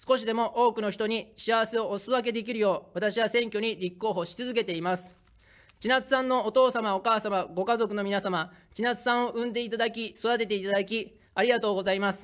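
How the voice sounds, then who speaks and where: A man with a high pitch talks at a fairly quick pace. His intonation is fairly even, and the background is quiet. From Japan, Yokohama; Japan. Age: 30s. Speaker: political candidate; candidate. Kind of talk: political broadcast speech. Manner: read from a script. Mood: earnest, confessional. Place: studio. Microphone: studio mic.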